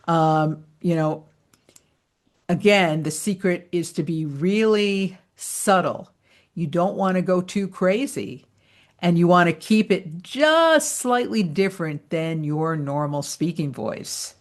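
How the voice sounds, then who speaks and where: In an online training session, a woman coaches voice actors, explaining things in a chatty manner and laughing easily. Her voice is fairly low and her pace slow.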